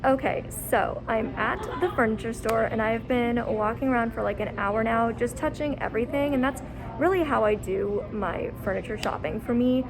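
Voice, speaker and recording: A woman's voice: a little high, moderate pace, music in the background. A woman in her twenties, from Canada, chatting casually in a vlog, full of "like" and "um" fillers. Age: 20s. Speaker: vlogger. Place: at home, then a furniture store.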